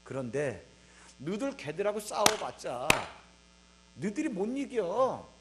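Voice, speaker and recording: A man's voice: high-pitched, very animated, measured pace, very noisy. A man voicing God as a patient, fatherly figure counseling shepherds within a sermon. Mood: reassuring.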